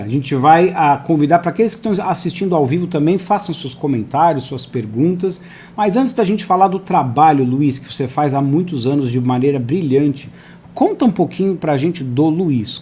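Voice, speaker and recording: A man's voice: fairly high pitch, warm tone, a little hiss or hum. A man hosting a live online interview over a video call, chatty and friendly, talking to viewers and his guest. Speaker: host.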